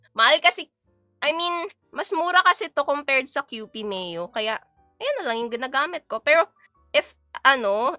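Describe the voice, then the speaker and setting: Playful Filipino woman streaming, bright voice. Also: on the high side, dry recording. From Philippines. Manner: playful, chatty, switching between Tagalog and English. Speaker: VTuber streamer. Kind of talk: casual live-stream chat while cooking.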